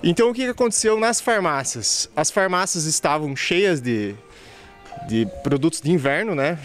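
Higher-voiced man explaining in a pharmacy. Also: animated, moderate pace, soft background music. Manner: explanatory, frequent tag questions. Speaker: pharmacy representative interviewed. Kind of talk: news interview answer. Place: pharmacy shop floor, indoors. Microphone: handheld reporter mic.

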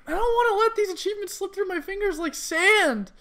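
A very high, bright voice gives life to a young rabbit heroine, played by a woman. She is desperate yet defiant, emotional and melodramatic, as in an amateur comic dramatization. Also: expressive, brisk, exaggerated voice. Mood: earnest, defensive.

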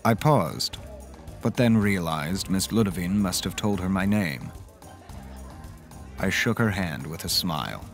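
Low-pitched male actor as lovestruck gentleman telling his own gothic horror tale, music underneath. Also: animated, a little slow, long pauses. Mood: wistful, sensual. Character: smitten gentlemanly man recounting a dark horror romance. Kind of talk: dramatic first-person audio drama narration.

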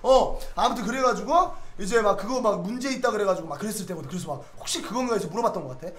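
A young man in his twenties casually telling a story, animated and swearing freely, acting out the voices of the people in it. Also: sits high, very fast. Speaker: streamer. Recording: roomy echo.

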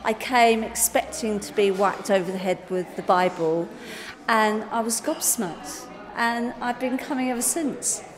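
A woman in her sixties speaks expressively, with lively humour. Her voice rings with a long reverb in the hall, and a crowd murmurs behind her. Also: fairly high pitch, a little slow. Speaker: churchgoer.

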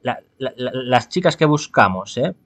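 A man's voice: medium pitch, big pitch swings, normal speed, a bit bright, no room sound. A man playing through a visual novel aloud with casual commentary, musing and stumbling as he goes. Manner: stumbles and rereads, muses aloud. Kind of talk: casual gameplay commentary with dramatized reading.

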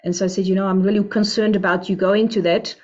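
A woman's voice: mid-range voice, fairly even intonation, fast, darkish tone. Portuguese-accented woman explaining, dull webinar audio. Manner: often checks in with "right?". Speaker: physiotherapist presenting a webinar. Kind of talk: informal explanatory webinar talk. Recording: dull, lo-fi web call audio.

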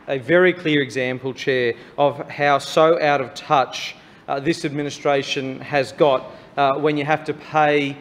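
An Australian man argues in a political debate with a fairly high voice. He is critical but halting, restarting and repeating words. The large chamber rings with reverb around him. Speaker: opposition councillor. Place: large wood-panelled council chamber. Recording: reverberant council hall.

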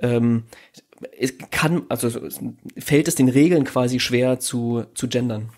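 A man's voice: medium pitch, a little slow, darkish tone. A man co-hosting a casual podcast chat, thoughtful and rambling, with many fillers and restarts. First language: German. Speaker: podcast co-host.

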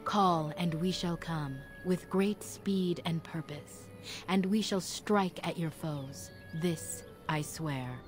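An actress playing a solemn female elf keeper in a fantasy video game, speaking in a measured, formal, grave way. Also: on the low side. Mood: solemn, resolute. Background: game music.

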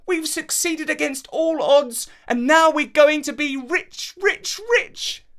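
A woman's voice: high voice, slow, fairly bright tone, pitched above the performer's own voice. A woman voicing an eager, courteous young male fairytale hero in an exuberant, polite manner. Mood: jubilant.

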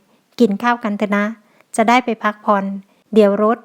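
A woman reading the lines of a caring grandmother in an audio novel, gentle and polite. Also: medium pitch, flat delivery, moderate pace, clean tone, natural voice. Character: caring grandmother, warm and hospitable.

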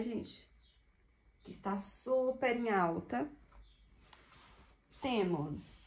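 Chatty brazilian woman showing off clothes, talks slow, echoey little room. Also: mid-range voice. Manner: chatty, upbeat, many diminutives and "olha só" asides. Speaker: thrift clothing seller. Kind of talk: casual product showcase. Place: small home room indoors.

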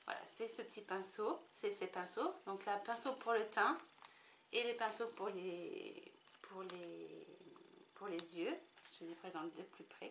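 A woman's voice: mid-range voice, gravelly, a bit bright. Woman, casual makeup tutorial talk, rambling, lots of fillers, faint background hiss. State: tickly throat. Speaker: makeup vlogger.

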